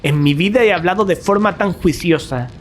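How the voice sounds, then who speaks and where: An actor playing a resolute, grave young male student in an audio drama, speaking formal Castilian Spanish firmly and deliberately. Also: sits high, a little hiss or hum, lightly acted. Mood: grave, determined.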